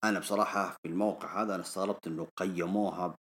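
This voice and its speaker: A man hosting a podcast, recapping a wrestling show as a lively storyteller. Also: low-pitched, rapid-fire. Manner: animated storyteller, acts out quoted lines. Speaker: podcast host.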